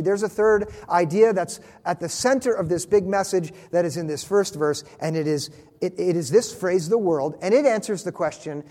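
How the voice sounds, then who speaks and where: A man preaching a sermon, earnest and emphatic, slowing down to stress key phrases. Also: high-pitched, darkish tone. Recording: long reverb of a large hall.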